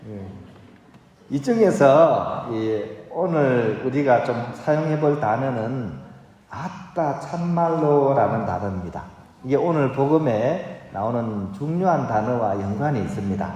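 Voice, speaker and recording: A man's voice: mid-range voice, expressive, measured pace, mellow. A man, a Catholic priest, reading the Gospel and then giving a playful homily that coaxes the congregation to join in. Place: large church. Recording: echoey church hall.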